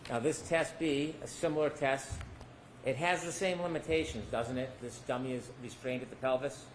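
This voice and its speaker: A man's voice: mid-range voice, moderate pace, a little hiss or hum, rough recording. A man working as a defense attorney, cross-examining a witness with pointed leading questions that end in tags, heard in a courtroom recording.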